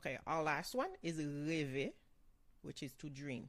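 A woman speaks with a Haitian accent. Her pitch is very deep and low. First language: Haitian Creole. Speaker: language teacher. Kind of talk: tutorial. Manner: slow, repetitive pronunciation drills.

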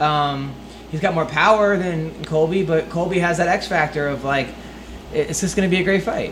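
Noticeable background noise runs under a voice with fairly even intonation at a moderate pace. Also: man, high pitch for a man. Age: 40s. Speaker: podcast host and comedian. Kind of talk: casual chat. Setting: studio.

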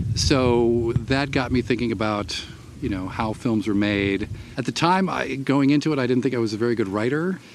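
This man has an ordinary speaking voice at a medium pitch. He keeps a moderate pace with ordinary pitch variation. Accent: American. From Madison, Wisconsin. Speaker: film critic. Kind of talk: casual interview. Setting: outdoors in a park.

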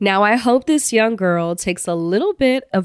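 Recorded very cleanly over a silent background, with a dry, close sound and no echo, a woman speaks at a moderate pace with lively intonation. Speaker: podcast host. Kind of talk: casual chat. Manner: direct.

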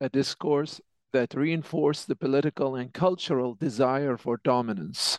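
A man speaks at a fairly slow pace with an Iraqi accent. His pitch varies in an ordinary way, and the sound is dry and close with no echo. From Iraq, Basra. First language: Arabic. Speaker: professor and translator. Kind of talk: interview.

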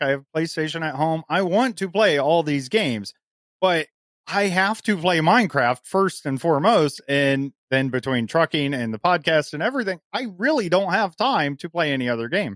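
A plain, everyday voice with lively intonation at a moderate pace, in a dry, close sound with no echo. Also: man, quiet background. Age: 30s. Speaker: podcast host. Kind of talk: casual chat; listener question reading.

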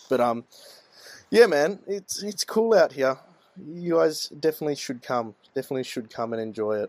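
A man with an Australian accent and a fairly high pitch speaks at a moderate pace with very wide pitch swings and long, frequent pauses, in a very clean recording with a silent background and a dry, close sound with no echo. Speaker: mixing and mastering engineer. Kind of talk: casual chat.

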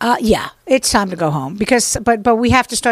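With a New York accent, a woman speaks at a moderate pace. Her pitch varies in an ordinary way. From New York, Brooklyn. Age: 60s. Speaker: stand-up comedian. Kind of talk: casual chat.

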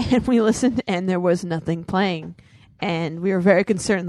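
At a fairly quick pace, a woman speaks at a medium pitch with ordinary pitch variation. She has a normal speaking voice. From Italian-American. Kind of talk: casual banter, comedic chat.

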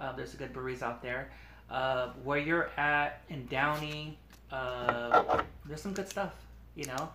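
A man with an American accent speaks at a fairly slow pace, his pitch fairly high and his tone bright and sharp. His intonation stays fairly even while his loudness swings widely. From Los Angeles area, California. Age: 30s. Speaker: podcast fan and grocery store worker. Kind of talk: casual chat.

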